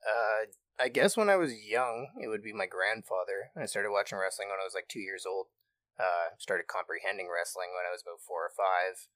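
A young man, a guest wrestler talking casually and loudly in a small studio interview. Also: low-pitched, moderate pace, no room sound. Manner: loud, used to yelling, easygoing.

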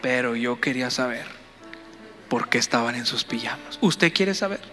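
A man, a pastor, telling a story in a sermon, animated and playful as he talks to the congregation. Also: medium pitch, moderate pace, long reverb tail, faint music behind.

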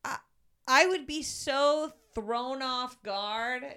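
A woman in casual chat, joking and chiming in with quick remarks. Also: sits high, bright, forceful tone, clean tone.

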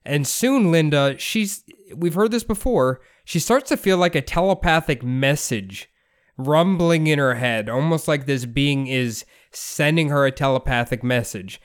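A man's voice: a little high, expressive, measured pace, clear, resonant tone. A man hosting a podcast, telling a story in a laid-back, casual way, swearing and laughing often. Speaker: podcast host.

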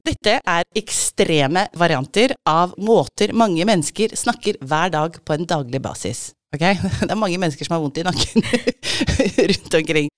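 A woman with a slightly low voice hosts a talk on using the voice and guides her guests through exercises. She explains patiently and laughs easily. The sound is close and dry, with no room around it. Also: lively intonation, few pauses, no room sound. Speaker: host leading voice exercises. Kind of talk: instructive podcast conversation.

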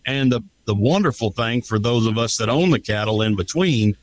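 A man's voice: medium pitch, moderate pace, no room sound. A man with a folksy, plain-spoken way of talking, giving conversational market commentary as a guest. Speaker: guest, livestock marketing rep and cattle owner.

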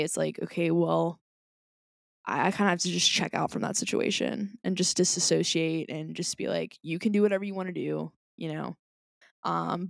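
A woman's voice: low voice, vocal fry, no room sound, clean studio sound. A young woman co-hosting a podcast, talking in a rambling, passionate way with lots of "like" fillers. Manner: rambling, animated, many "like" fillers; self-described loud and passionate. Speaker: podcast co-host. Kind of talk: casual chat.

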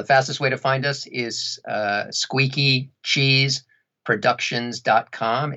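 A man's voice: mid-range voice, bright, forceful tone, muffled recording. A man who narrates audiobooks, talking casually as a podcast guest. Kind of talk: casual conversation.

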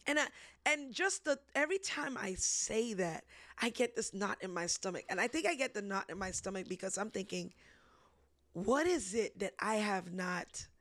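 A woman hosting a casual faith discussion, telling stories with lively animation and frequent laughs. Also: medium pitch, normal speed, no echo. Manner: animated storytelling, laughs often. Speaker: ministry host.

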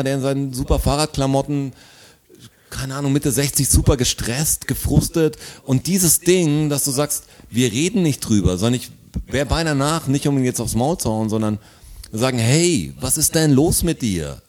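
Animated man telling a story. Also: mid-range voice, moderate pace. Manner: animated storyteller, acts out quarrels. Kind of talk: casual chat.

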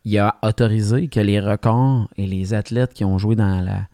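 A man with a Québécois French accent asks questions in a lowish, mellow voice. He sounds curious and encouraging, often stumbling and restarting mid-question. The recording is close and dry. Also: steady tone, moderate pace, no room sound. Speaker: interviewer. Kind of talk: interview questions.

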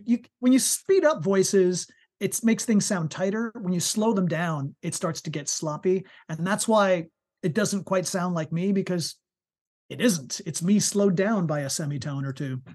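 A man with a high voice, a musician telling stories in a casual interview, animated and full of fillers and restarts. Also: measured pace. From United States. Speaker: musician guest.

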